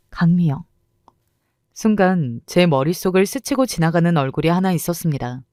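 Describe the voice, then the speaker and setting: A woman tells a first-person radio story with bitter, vivid storytelling. Her voice sits a little low, and the recording is dry and close. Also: a little mellow, smooth, no echo. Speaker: story narrator.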